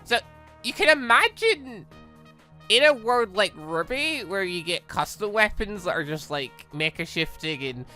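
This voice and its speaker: A gaming video host doing rambling let's play commentary and reading a visual novel aloud, in an animated way. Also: mid-range voice, measured pace. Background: game music.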